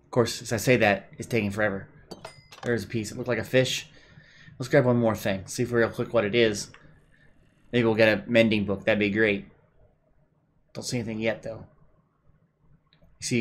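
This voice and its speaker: A man hosting a gameplay video, calmly explaining his build step by step with plenty of "uh"s, while his voice is going a bit hoarse. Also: medium pitch, a little hiss or hum. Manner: relaxed, explaining step by step with many "uh"s. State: losing his voice. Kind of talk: casual building commentary.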